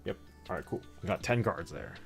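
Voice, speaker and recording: A man in his thirties talks in an animated, rambling, jokey way, like a streamer casually chatting to his viewers. His pitch jumps around freely. Music plays faintly behind him. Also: brisk, creaky. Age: 30s. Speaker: streamer opening trading card packs. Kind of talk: casual livestream chat.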